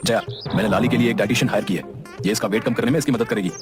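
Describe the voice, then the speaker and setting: A man's voice: fairly low pitch, racing, close to an everyday voice. A man voicing an exasperated young husband in a cartoon story, fretful and complaining. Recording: loud background music.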